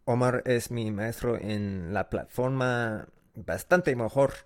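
A man's voice: medium pitch, slow. A man who is not a native Spanish speaker, co-hosting a casual podcast as a learner and hesitating while he searches for words.

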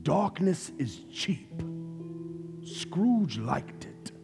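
A man narrating a stage radio play as a theatrical, measured, suspenseful storyteller with a creaky voice. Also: on the high side, big pitch swings. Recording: reverberant hall, music behind.

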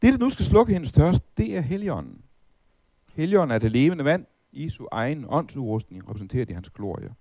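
A man's voice: on the high side, sing-song, dark tone, no echo. A middle-aged man preaching a Bible teaching talk, asking rhetorical questions and reciting hymn verses.

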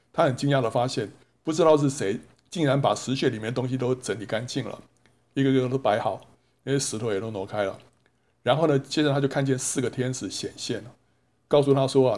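A man preaching a storytelling sermon in a voice of ordinary, middle pitch. He keeps stopping to ask his listeners a rhetorical question, then answers it himself. He draws out the small particles at the ends of his lines. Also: a little mellow. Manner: drawn-out sentence-final particles. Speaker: Bible teacher.

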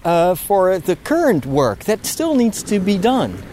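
A man with a sore throat thinking aloud about his fatigue as he walks outdoors in a park, speaking haltingly with many restarts. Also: high voice, wildly swooping pitch, background noise. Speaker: podcast host. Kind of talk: casual spoken reflection, walking outdoors. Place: outdoors in a park near road works.

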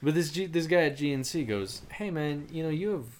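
A man's voice: a little high, fairly quick, slight background noise. Laid-back man rambling on a podcast. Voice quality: calm, soothing voice. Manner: rambling, swears often, says "like" a lot. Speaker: podcast co-host. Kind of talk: casual chat.

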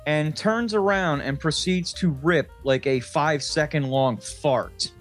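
A man with a slightly high voice chats casually as a comedy podcast co-host. He tells crude anecdotes in an animated, sweary manner. Faint music plays behind him. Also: measured pace. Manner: profane, animated anecdote telling. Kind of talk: casual comic storytelling chat.

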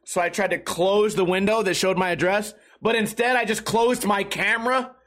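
A man hosting a podcast stream in casual chat, hoarse from losing his voice, talking in a loose, rambling and profane way. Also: high voice, steady tone, normal speed, a bit bright.

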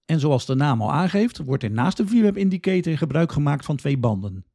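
Husky man, lively podcast host. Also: fairly high pitch, a little fast. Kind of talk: scripted explanatory podcast narration.

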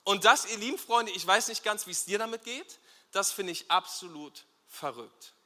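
A man preaching a lively sermon to a congregation, acting out short quoted exchanges and asking the audience to repeat words. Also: high-pitched, long reverb tail. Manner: acts out Jesus and bystanders in quick quoted asides. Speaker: pastor.

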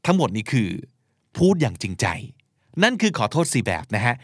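A man's voice: mid-range voice, a little fast, no echo, clean studio sound. A man who speaks Thai as his first language, hosting a casual podcast lesson, explaining English phrases and reading out examples in a playful way. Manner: switches between Thai and read-out English examples; playful, animated emphasis. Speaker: podcast host teaching English.

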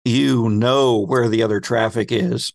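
A man's voice: medium pitch, steady tone, measured pace, vocal fry, no room sound. A man speaking as game master, narrating a tabletop roleplaying game in a conversational way and directing the players. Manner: conversational, explains by addressing players as their characters.

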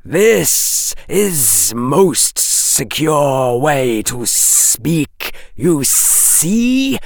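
Male reader doing a sardonic snake, raised voice, drawn out and clipped, with a gravelly edge. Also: fairly high pitch, very animated, no echo, clean studio sound, pitched above the performer's own voice, full character voice. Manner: clipped broken speech, slow and deliberate. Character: sardonic terse hissing snake.

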